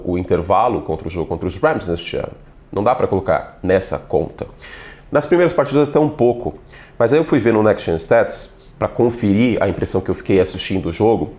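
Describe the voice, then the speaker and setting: A middle-aged man from São Paulo, his accent mostly neutralized, talks through football analysis on his own channel. His voice sits low, and he delivers it in a lively, playful, chatty way, slipping in asides as he goes. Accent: neutralized São Paulo Portuguese. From São Paulo, Brazil. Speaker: NFL analyst and channel host. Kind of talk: solo football commentary video.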